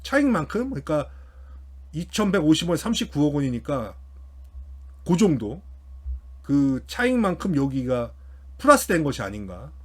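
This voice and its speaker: A man's voice: a little high, big pitch swings, moderate pace, pauses often, breathy edge. A man hosting a finance commentary, talking through an analysis unscripted and hesitantly, often repeating and restarting his phrases. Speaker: host of a finance commentary channel.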